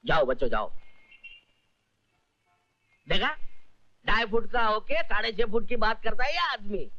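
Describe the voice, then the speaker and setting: A man's voice: high voice, very animated, unhurried, bright, forceful tone, heavily acted. An actor playing a kindly street showman in a 1990s Hindi film who takes in orphans, chiding, fatherly and jokey. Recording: dull lo-fi film soundtrack.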